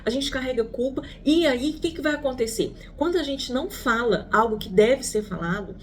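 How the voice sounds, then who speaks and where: A woman's voice: sits high, expressive, brisk, a little hiss or hum. A woman psychologist with a Brazilian Portuguese accent, teaching an online lesson conversationally, calling the listener her friend and asking rhetorical questions.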